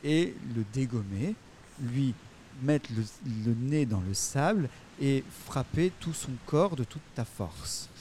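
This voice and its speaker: A man's voice: medium pitch, animated, slow pace, mellow, slight background noise. A man playing an earnest, pedantic father who asks formal, therapist-like questions in an improvised audio comedy sketch. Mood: solemn, measured. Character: earnest, pedantic father preaching calm, barely composed.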